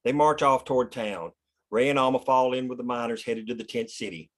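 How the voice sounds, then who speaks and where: A man serves as narrator for a script read-through. He reads stage directions and scene headings in a mid-pitched voice. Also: fairly quick.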